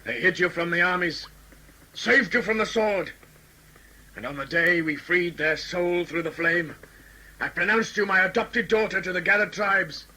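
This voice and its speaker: A man's voice: high-pitched, moderate pace, bright, forceful tone, full character voice, rough recording. A man acting a proud, commanding tribal lord and stern adoptive father in a sci-fi audio drama, speaking formally. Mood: tender, grave. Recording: amateur audio play with background noise.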